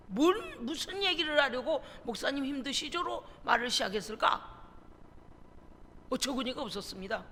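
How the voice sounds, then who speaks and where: A woman pastor preaching a sermon, animated and emphatic, acting out conversations as she tells stories. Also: high-pitched, long reverb tail, slight background noise. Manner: animated storytelling, acting out phone calls. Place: church sanctuary.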